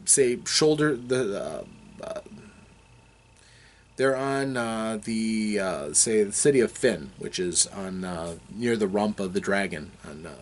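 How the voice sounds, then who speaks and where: A man with a fairly low voice talks through game design as a game master. His delivery is unscripted and explanatory, with deliberate, halting phrasing as he works out his thoughts aloud.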